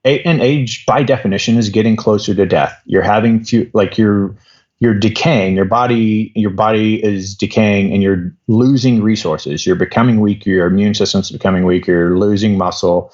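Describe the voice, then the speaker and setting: A man in his fifties talks through ideas in a loose, rambling way, circling back and restarting his sentences. His voice sits low, and the audio is dull and muffled, as if recorded with a cheap mic. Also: normal speed, a little mellow. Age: 50s. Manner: rambling explanatory, many restarts. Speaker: guest doctor. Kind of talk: podcast interview.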